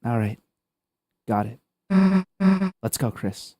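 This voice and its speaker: A man voicing a brash, rough-talking monster girl from a game, blunt and swearing. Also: fairly low pitch, monotone, mellow, a little hiss or hum. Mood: gruff, puzzled. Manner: blunt, swears, slow gruff delivery. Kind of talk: voicing game dialogue on stream.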